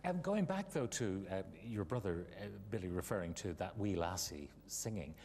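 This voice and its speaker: A man's voice: low voice, lively intonation, normal speed, a little mellow. Irish guy interviewing on tv, lots of ums, echoey studio, bit of hum. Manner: hesitant, prompting, many ums and uhs. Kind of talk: probing interview questions. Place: television studio in the round. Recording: hall reverb, faint hum.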